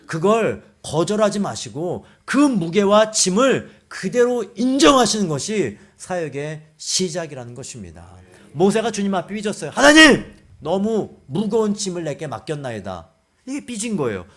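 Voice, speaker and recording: A man preaching a sermon as a guest pastor, firing rhetorical questions and leading the congregation in reading aloud. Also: sits high.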